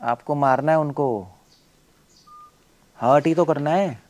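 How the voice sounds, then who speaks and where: Blunt, forceful male preacher. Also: a little high, slow. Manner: forceful, blunt, rhetorical questions, mixing in English. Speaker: monk and preacher. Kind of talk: lecture with questions from listeners.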